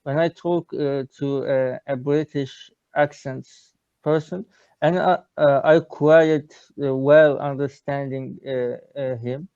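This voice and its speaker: Turkish-accent guy practicing english on a call, mellow smooth voice, kinda dull dry audio, lots of uhs. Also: mid-range voice, fairly even intonation, takes it slowly, no echo. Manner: hesitant, searching for words, many uhs. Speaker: English learner. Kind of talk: casual video-call lesson chat. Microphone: video call.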